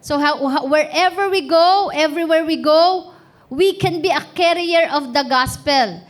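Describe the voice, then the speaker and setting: A Filipino woman pastor preaches a church sermon in a high, bright voice. She keeps asking the congregation rhetorical questions and mixes English phrases into her preaching. She often drops her pace to press each key word home. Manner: lively, emphatic, often slowing to stress key words. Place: church service.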